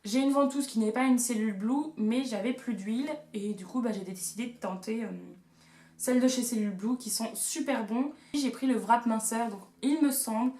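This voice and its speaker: A woman's voice: on the high side, normal speed, warm tone. A young woman in her twenties, chatting casually and gushing through a shopping haul video at home. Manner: chatty and gushing, playful asides. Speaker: beauty and haul vlogger. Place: room at home. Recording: echoey room sound.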